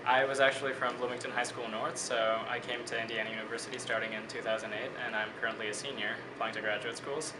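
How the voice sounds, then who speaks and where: A man's voice: medium pitch, fast talker, hardly any pauses. Articulate young man in an echoey room. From Bangladesh. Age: 20s. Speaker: interviewee, biology student. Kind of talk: casual interview answers. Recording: echoey room with steady air-conditioning hum.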